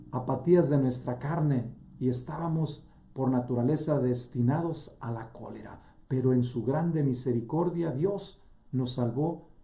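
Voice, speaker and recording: Mellow-voiced priest preaching in an echoey room. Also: male voice, medium pitch. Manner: earnest preaching with restarts, switching between Spanish and English readings. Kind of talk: sermon.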